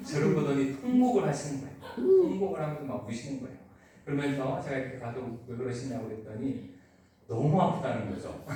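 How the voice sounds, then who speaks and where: A man's voice: medium pitch, darkish tone, a little hiss or hum. A man, a pastor, preaching a sermon in a conversational way, telling stories and often asking the congregation for agreement. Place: church sanctuary. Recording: echoey church hall, distant mic.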